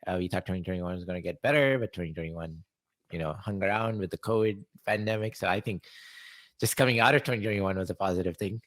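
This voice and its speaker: A man chatting casually on a podcast, relaxed and reflective, with plenty of fillers. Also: low-pitched, quick pace, no room sound. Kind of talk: casual chat.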